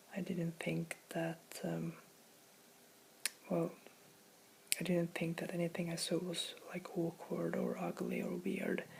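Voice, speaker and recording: Soft-spoken delivery at a very slow pace. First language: Hungarian. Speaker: ASMR creator. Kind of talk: casual ASMR art commentary. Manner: hesitant, many fillers.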